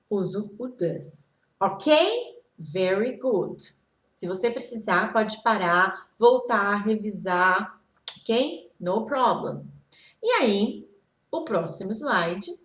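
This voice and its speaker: A woman teaching English grammar from slides, speaking slowly and patiently when she models example phrases and checking in with her listeners as she goes. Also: mid-range voice, fairly bright tone. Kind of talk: slide-based grammar lesson. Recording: echoey room, voice off-mic.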